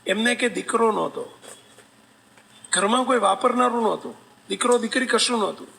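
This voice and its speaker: A man telling a devotional story as a sermon, animated, acting out voices and asking listeners questions. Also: very high-pitched, normal speed, vocal fry, low-quality recording. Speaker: religious storyteller.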